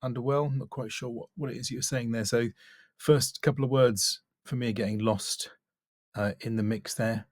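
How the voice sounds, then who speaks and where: A man giving an off-the-cuff spoken critique as a coach, measured and considered. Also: mid-range voice, fairly even intonation, dry recording, studio quality. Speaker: voice-over coach.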